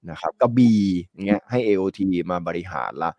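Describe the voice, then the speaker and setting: Deep and darkish, the voice belongs to a middle-aged market analyst who has a cold and a stuffy nose, and he talks fast. On the talk show he chats casually, rambles and often laughs, and there's no echo in the recording.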